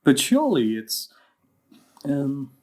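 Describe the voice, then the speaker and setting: An actor playing a gentle, courting foreign man who is learning English and searches for his words. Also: mid-range voice, wildly swooping pitch, slow pace, full character voice. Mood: hesitant, hopeful. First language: not English, a learner of English.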